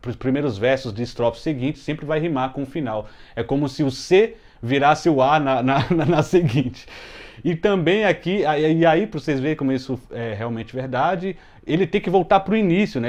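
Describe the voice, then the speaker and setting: A man's voice: on the high side, darkish tone. Brazilian man explaining a music lesson. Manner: explains step by step, many "né?" tags, slow deliberate scanning of verses. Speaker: music teacher, channel host. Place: home room with closed window, children heard outside.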